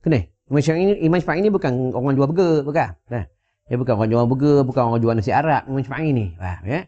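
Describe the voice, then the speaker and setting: A religious teacher gives a sermon with humorous asides, speaking fast in an expressive, mellow, mid-range voice. He is rhetorical and keeps asking if listeners understand, recorded indoors at home on a wireless lapel mic with dull lo-fi sound.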